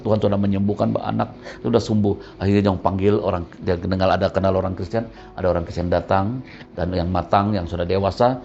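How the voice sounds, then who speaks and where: A male pastor tells a sermon story in a low, gravelly voice, acting out the voices of his characters. The recording is slightly muffled, with soft music in the background.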